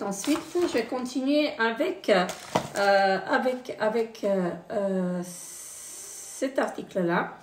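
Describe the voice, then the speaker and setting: A woman's voice: mid-range voice, recorded from a distance, slight background noise. Hesitant woman vlogger, roomy sound. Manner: hesitant, many fillers, reads product blurbs aloud. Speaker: beauty box unboxing vlogger. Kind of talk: casual unboxing commentary. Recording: roomy, a bit off-mic.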